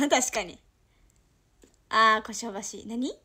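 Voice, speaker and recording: An idol livestream host, a young woman from Toyama, Japan, chats casually in Toyama dialect while reacting to viewer comments. Her slightly high, breathy voice moves at a measured pace, sinking to soft murmurs before bursting out brightly.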